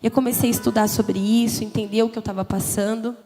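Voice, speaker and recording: At a church youth congress, a young woman with a higher voice tells her testimony at a quick pace, her tone steady. She speaks frankly and conversationally with plenty of feeling, often ending phrases with "né?". Long reverb fills the echoing hall, with soft music faint in the background.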